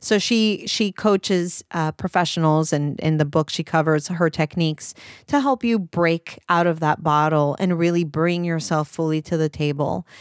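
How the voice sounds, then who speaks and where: A woman's fairly low pitch at a moderate pace, with ordinary pitch variation and very even loudness, dry and close with no echo, on a very clean recording with a silent background. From Puerto Rico. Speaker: podcast host and marketing agency owner. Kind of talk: interview.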